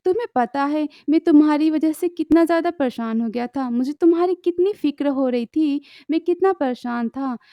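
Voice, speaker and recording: A woman's voice: sits high, moderate pace, few pauses, no room sound, highs cut off. A woman voicing a young man who is both anxious and playfully insistent, read out in a drama recap. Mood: worried.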